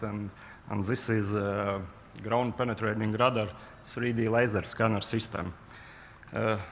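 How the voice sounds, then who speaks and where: Latvian man presenting with a gravelly voice. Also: lowish voice, a little hiss or hum. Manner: halting, many fillers and restarts. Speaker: conference presenter. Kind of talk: technical conference presentation. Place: large conference hall. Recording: long hall reverb, faint ambience.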